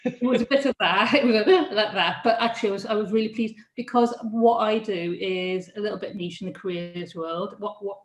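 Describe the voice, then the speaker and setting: A middle-aged woman, a careers adviser, talking in a halting, laughing interview manner with many restarts. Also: medium pitch. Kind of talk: casual interview chat. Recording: echoey room.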